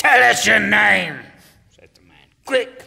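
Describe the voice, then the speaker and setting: Slow and gruff, a man puts on a character voice at a fairly slow pace. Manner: gruff, demanding.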